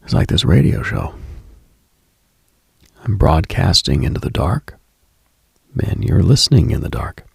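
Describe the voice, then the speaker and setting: Male late-night host, heavy vocal fry, very dry close sound; intimate, husky, unhurried, contemplative ASMR-style delivery. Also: low voice, big pitch swings, dry recording. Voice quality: husky, gravelly, breathy. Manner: hushed, unhurried, contemplative, addresses listener directly.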